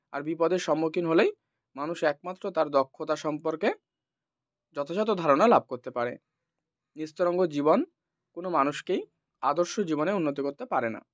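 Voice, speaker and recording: A middle-aged man with a high voice teaches a school lesson from West Bengal, stopping often to think aloud with an "ah" before going on. The sound is flat and lo-fi, with no room echo at all. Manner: thinking aloud with frequent "ah" fillers. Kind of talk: explanatory lesson. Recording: dull dry lo-fi recording.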